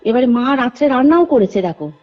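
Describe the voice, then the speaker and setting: Calling in on a dull, lo-fi line where faint music plays, a woman recounts a true ghost story of her own. Her slightly high voice is expressive and a little fast. She rambles in an earnest way and often addresses the host.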